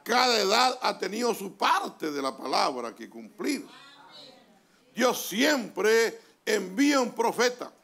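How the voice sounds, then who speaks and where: Chilean pastor preaching slowly, gravelly voice. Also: male voice, high-pitched, big pitch swings, a bit bright. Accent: Chilean Spanish. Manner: deliberate preaching with pauses, calls of amen. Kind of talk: sermon reading from a translated message. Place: church hall.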